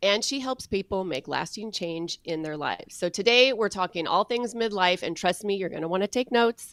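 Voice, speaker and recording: A woman speaks at a fairly quick pace with hardly any pauses, in an ordinary speaking voice. Her pitch is medium with ordinary variation, and the sound is dry and close with no echo. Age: 50s. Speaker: podcast host. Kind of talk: casual chat.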